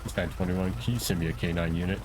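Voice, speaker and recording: A man with a fairly deep voice talks viewers through a video game. His delivery is casual and conversational, feeling its way through phrases without hurry. There is audible background noise. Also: steady tone, fast talker. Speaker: streamer and tutorial host, playing a police officer. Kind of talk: casual tutorial and game roleplay commentary.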